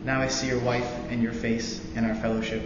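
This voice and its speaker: A young American man, a student veteran, reading a novel passage aloud in earnest, after a halting introduction. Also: mid-range voice. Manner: halting intro with many fillers, then steady earnest reading. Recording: roomy echoey hall, dull lo-fi sound, noisy.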